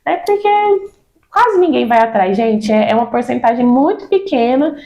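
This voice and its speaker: A woman's voice: a little high, sing-song, moderate pace, darkish tone. A Brazilian woman speaking about children's ministry in an earnest, insistent way, often adding "né". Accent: Brazilian Portuguese. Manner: earnest, repeats words and tags with "né". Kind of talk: casual interview conversation.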